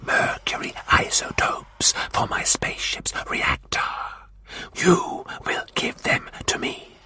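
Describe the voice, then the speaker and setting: Hissy raspy martian warlord, slow menacing whisper, a guy voicing him. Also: lightly acted. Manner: hissing whisper, slow and threatening.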